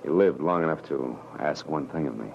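A man acting a wry, world-weary private detective in a 1940s radio drama, with clipped, slangy, deliberate delivery. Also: rumbling low, vocal fry, slight background noise. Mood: gentle, subdued. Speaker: lead actor and narrator. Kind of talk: 1940s radio drama acting, first-person noir narration. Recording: muffled old radio broadcast, music behind.

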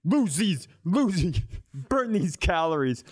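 Animated, higher-voiced man riffing as podcast co-host. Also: slow pace, breathy edge, dry recording. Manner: animated, teasing, crude humor. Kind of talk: casual comedic banter.

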